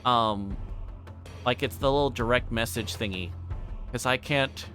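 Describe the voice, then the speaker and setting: A man livestreaming a game, reading aloud and chatting in a halting way, stumbling over words. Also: medium pitch, bright, forceful tone, faint music behind. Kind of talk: reading a visual novel aloud and chatting with stream viewers. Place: livestream with music playing behind.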